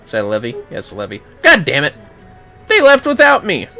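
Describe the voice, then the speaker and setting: A man's voice: fairly high pitch, wildly swooping pitch, moderate pace, vocal fry, sharp tone, faint music behind. A man chatting casually and bluntly, with swearing, while he plays a game on a livestream. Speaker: livestream gamer. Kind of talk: casual chat while playing an online game.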